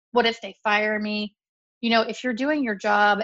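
Recorded dry and close with no echo, a woman speaks in a normal speaking voice at a fairly high pitch. Her pace is moderate and her intonation fairly even. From Kansas, US. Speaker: bookkeeper and business consultant. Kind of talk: casual interview chat.

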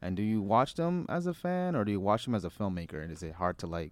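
A man's very deep, low voice with ordinary pitch variation, at a fairly quick pace. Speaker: podcast host. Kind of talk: casual chat.

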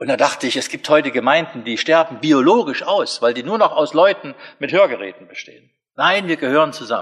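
At a fairly quick pace, a man uses an ordinary speaking voice pitched fairly high, with lively intonation. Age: 60s. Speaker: lay preacher. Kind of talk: sermon.

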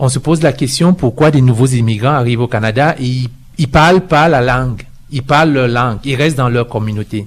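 A man with medium pitch and an unremarkable speaking voice talks at a fairly quick pace with ordinary pitch variation. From Cameroon. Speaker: coordinator. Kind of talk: formal debate. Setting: live radio broadcast before an audience.

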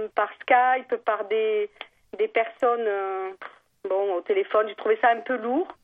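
At a very slow pace, a woman speaks with fairly high pitch and ordinary pitch variation. Her speech has long, frequent pauses. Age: 50s. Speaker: caller. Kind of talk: phone-in conversation. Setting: phone call. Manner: hesitant.

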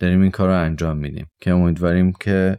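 A man's very deep, low voice, dark and mellow in tone, with monotone, flat intonation on a very clean recording with a silent background. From Iran, Tehran. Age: 20s. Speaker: young Baha'i community volunteer. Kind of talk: interview, personal story.

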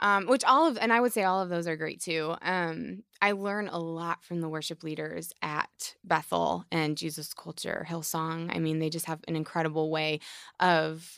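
On a very clean recording with a silent background, a woman with an American accent uses an ordinary speaking voice at a fairly low pitch, with ordinary pitch variation, a moderate pace and hardly any pauses. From Colorado, Denver. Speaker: church worship leader. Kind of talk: casual interview.

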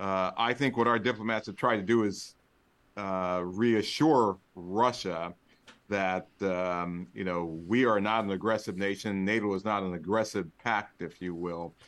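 Here a man has a normal speaking voice, fairly low in pitch, with an American accent. He speaks fairly slowly with fairly even intonation over a quiet background. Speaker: senior defense intelligence official. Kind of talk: interview. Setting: video call.

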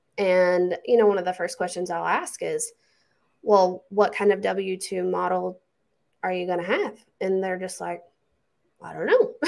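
A woman with a Southern US accent at a moderate pace, with long, frequent pauses and big swings in loudness. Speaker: business coach and entrepreneur. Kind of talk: interview conversation.

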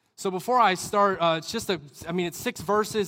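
A man talks at a fairly quick pace with ordinary pitch variation. The recording is very clean, with a silent background. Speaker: guest preacher at young adult ministry. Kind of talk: sermon. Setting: church with live audience. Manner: loud.

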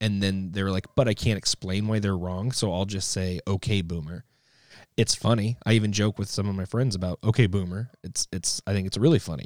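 A man with an ordinary speaking voice talks at a fairly quick pace and fairly low pitch with fairly even intonation, the recording very clean with a silent background and a dry, close sound with no echo. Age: 30s. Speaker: guest co-host, businessman. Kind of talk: casual chat.

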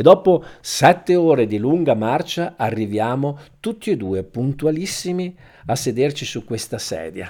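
In a very clean recording with a silent background, a man with a fairly high pitch talks at a fairly slow pace, his pitch swinging very widely. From Venezuela. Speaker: podcast host, psychosomatic medicine specialist. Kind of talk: motivational lecture. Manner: animated, with many fillers.

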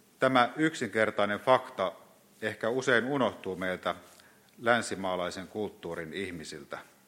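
Fairly low in pitch, the man speaks at a fairly slow pace in a bright, sharp tone with ordinary pitch variation. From northern Finland, Kainuu (Vaala, Oulujärvi). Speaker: pastor. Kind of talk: sermon.

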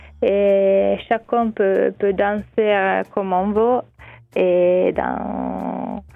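Speaking at a very slow pace with an Italian accent, a woman keeps her loudness very even. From Italy. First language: Italian (speaking French). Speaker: author and illustrator. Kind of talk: interview. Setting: phone call. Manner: halting. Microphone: phone line.

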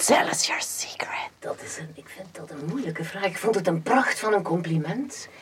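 A woman speaks with lively intonation. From Flanders, Eeklo (East Flanders). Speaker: radio and TV presenter, singer. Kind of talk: casual interview chat. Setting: studio.

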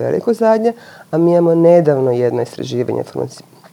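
Talking at a fairly quick pace, a woman sounds calm, her tone dark and mellow. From Zagreb, Croatia. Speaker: psychiatrist and professor. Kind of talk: interview.

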